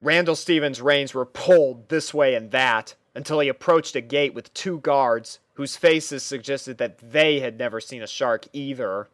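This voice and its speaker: A man narrating a scripted story in a measured, mock-serious storytelling manner. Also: medium pitch, fairly bright tone, no room sound, clean studio sound. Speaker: fan fiction narrator.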